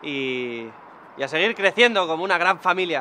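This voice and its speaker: The speaker is a man with ordinary pitch variation. There is light background noise. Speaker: video creator. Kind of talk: casual vlog chat. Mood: grateful, joking. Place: street.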